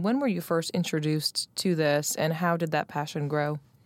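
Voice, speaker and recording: Here a woman has an ordinary speaking voice with a fairly low pitch. She keeps a moderate pace and ordinary pitch variation. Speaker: student podcast host. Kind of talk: interview. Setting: studio.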